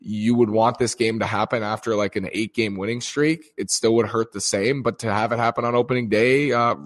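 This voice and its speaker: Hoarse man rambling through a game recap. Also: lowish voice, fairly even intonation, a little fast. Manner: rambling, many fillers and restarts. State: strained voice from screaming. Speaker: sports commentator. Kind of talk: casual baseball recap.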